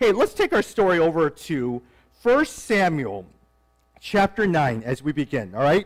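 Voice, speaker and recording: Loud and high-pitched, a man's voice makes very wide pitch swings in a very clean recording with a silent background. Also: fairly slow pace. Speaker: preacher and ministry leader. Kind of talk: sermon. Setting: church service with audience, livestreamed.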